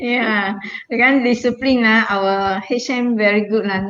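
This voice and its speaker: A woman's fairly high voice with fairly even intonation, set against noticeable background noise. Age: 60s. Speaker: online talk show co-host. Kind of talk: casual chat.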